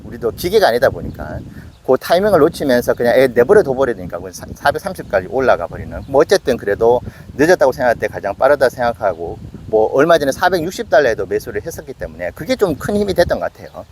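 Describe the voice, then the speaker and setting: Casual investing host, man in his late forties, lively delivery. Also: medium pitch, fast talker, slight background noise. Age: 40s. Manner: conversational, self-questioning with acted asides. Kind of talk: casual investing talk to camera.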